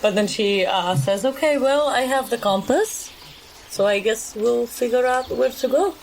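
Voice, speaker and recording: A woman playing a tabletop role-playing game, describing her character in a casual, expressive, improvised way. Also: a little high, a little slow, slight background noise, poor audio.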